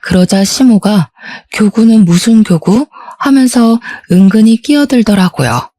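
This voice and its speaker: A woman's voice: medium pitch, mellow, dry recording. A woman in her thirties narrating a first-person family story in an indignant, matter-of-fact way. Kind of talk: scripted storytelling.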